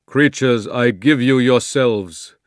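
A man voicing a great male lion who is strong and happy, speaking solemnly and slowly in an audiobook. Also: mid-range voice, no echo, clean studio sound, natural voice. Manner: solemn, commanding, slow. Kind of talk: audiobook character voice.

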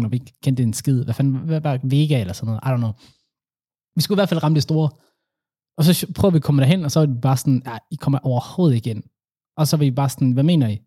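A young man co-hosting a casual chat, telling animated stories with slang. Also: mid-range voice, husky, no room sound, studio quality.

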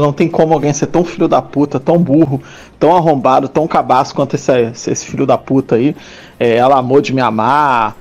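A man's voice: mid-range voice, a little mellow. A man sending a sarcastic, insulting voice message. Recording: dull lo-fi voice message.

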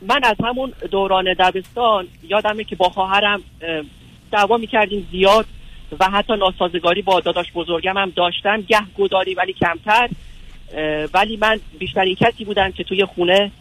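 A man's voice: sits high, steady tone, fairly bright tone, rough recording. Hesitant young man calling in. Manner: hesitant, many fillers. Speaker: caller. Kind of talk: phone-in conversation.

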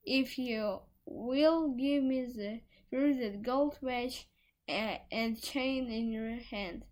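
A woman's voice: a little high, very slow, darkish tone, voice pushed up. A woman voicing a little white songbird, the spirit of a murdered girl, in a lilting singsong chant. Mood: bargaining. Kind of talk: storybook reading.

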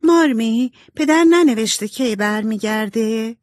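A woman doing a sweet, gentle young girl. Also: on the high side, lively intonation, no echo, studio quality, pitched above the performer's own voice, close to an everyday voice. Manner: soft, kindly. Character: gentle shy girl, sweet peacemaker sister.

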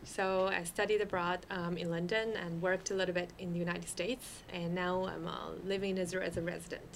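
Flat-voiced woman from northeastern China. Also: lowish voice, a little fast, a little hiss or hum. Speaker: panel guest.

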